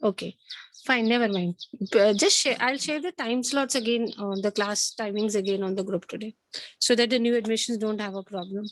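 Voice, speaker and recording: A woman's voice: medium pitch, a little fast, no room sound. A woman with a South Asian accent teaching an online class, questioning pupils in a stern, insistent way. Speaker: schoolteacher.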